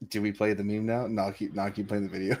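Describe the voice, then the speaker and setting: A man's voice: lowish voice, little pitch movement, very fast, darkish tone. A man co-hosting a stream, chatting in a dry, teasing way. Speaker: co-host. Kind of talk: casual chat.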